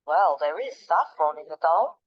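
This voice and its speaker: A woman's voice: sits low, expressive, measured pace. A woman voicing a crafty, boastful poor woodman who talks in a sly, coaxing way. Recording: dull lo-fi recording.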